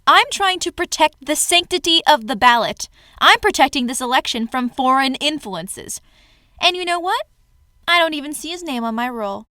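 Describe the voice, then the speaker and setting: A woman's voice: high voice, lively intonation, normal speed, pushed and bright, dry recording. A woman playing a stubborn, dismissive poll worker who argues with voters in a readers theater piece. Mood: defiant, officious. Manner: dismissive, argumentative. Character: stubborn, officious female poll worker turning voters away. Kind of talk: staged readers theater acting.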